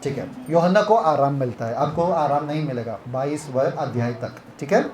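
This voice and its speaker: A man's voice: a little high, normal speed, a crowd in the background. A man leading a Bible retreat session, teaching interactively and quizzing listeners with repeated questions. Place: retreat hall. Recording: echoey hall.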